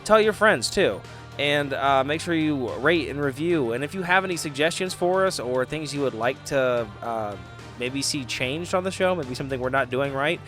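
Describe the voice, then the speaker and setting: A man's voice: medium pitch, a bit bright. A man hosting a podcast, talking to listeners in an informal, joking, casual way. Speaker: podcast host.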